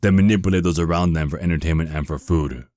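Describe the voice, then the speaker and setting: Very low-voiced, haughty male archangel accuser, played by a male actor. Stern, formal, dismissive, closely recorded and dry. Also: steady tone, quick pace, darkish tone, dry recording, close to an everyday voice. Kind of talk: dramatic audio roleplay acting.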